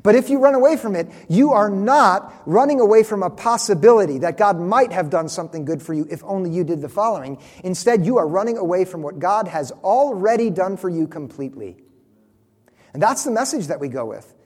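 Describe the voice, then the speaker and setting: A man preaching a sermon, earnest and emphatic, slowing down to stress key phrases. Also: high-pitched, expressive, darkish tone, husky. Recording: long reverb of a large hall.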